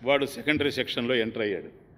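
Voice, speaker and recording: A man's voice: medium pitch, quick pace, fairly bright tone. A man giving a religious discourse as a swami, telling an emotive story and turning often to his listeners, heard in a long hall reverb. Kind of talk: sermon storytelling.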